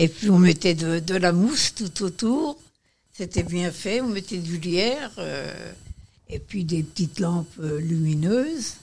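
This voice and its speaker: Somewhat breathy and fairly low in pitch, a woman speaks at a very slow pace with lively intonation. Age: 80s+. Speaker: care home resident. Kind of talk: reminiscence. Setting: recording in a care home.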